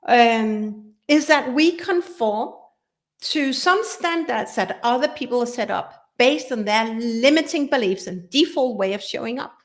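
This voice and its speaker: Slow-speaking woman. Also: on the high side. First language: Danish. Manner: earnest, repeats and restarts phrases. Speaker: business coach. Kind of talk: live workshop talk.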